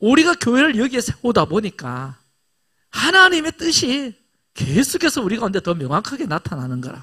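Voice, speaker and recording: Projecting loudly, a man speaks at a moderate pace in an extremely high pitch with very wide swings, his tone bright and sharp, and the sound dry and close with no echo. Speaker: pastor. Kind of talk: sermon.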